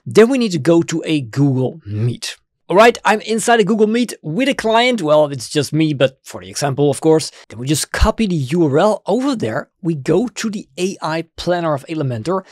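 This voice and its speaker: A man in his thirties whose first language is Dutch, hosting a screen-recorded software tutorial with lively enthusiasm, on a studio microphone in a home studio. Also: no room sound. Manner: enthusiastic, quick swings between excited highs and low asides. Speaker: web design tutorial host. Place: home studio room with colored lights. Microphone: studio mic on stand in front.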